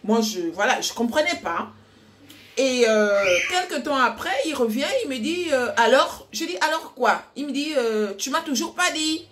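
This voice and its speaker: A woman's voice: high-pitched, animated, moderate pace, fairly bright tone. A young adult woman vlogging at home, casually retelling a story with lots of quoted dialogue. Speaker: cooking vlogger. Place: home kitchen.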